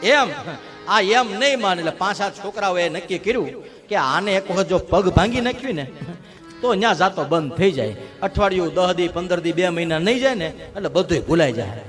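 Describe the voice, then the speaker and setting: A man telling a devotional story as a sermon, dramatic and lively. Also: sits high, a little fast, faint music behind. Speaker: religious storyteller.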